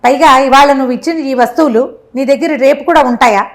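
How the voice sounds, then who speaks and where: Woman voicing an emphatic, highish-pitched indignant Caliph. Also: a little fast. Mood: amazed, probing. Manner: emphatic, questioning, exclaiming. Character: proud, indignant male Caliph disguised as a merchant guest.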